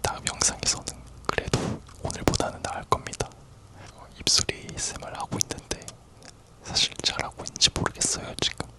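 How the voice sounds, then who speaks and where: A person whispering a casual, rambling ASMR chat in a soft, unvoiced whisper. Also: fairly quick. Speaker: ASMR video creator.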